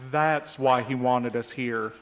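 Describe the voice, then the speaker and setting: A man's voice: medium pitch, fairly even intonation, takes it slowly, a bit bright. A man playing a blunt, exasperated young courier in an audio drama, combative in manner. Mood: hostile.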